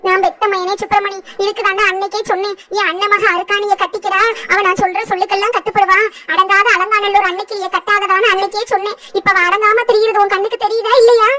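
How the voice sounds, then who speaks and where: A voice actor playing a sharp-tongued village mother-in-law in a cartoon, who scolds in rural speech and breaks into wailing complaints. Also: very high-pitched, little pitch movement, quick pace, hardly any pauses. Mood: ranting. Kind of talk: cartoon voice acting.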